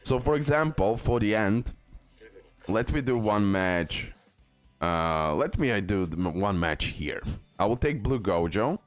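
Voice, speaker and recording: Speaking a little slowly and expressively, a low-voiced YouTube host walks viewers through a game in casual, instructional commentary. He repeats himself and checks in often while music plays under the gameplay.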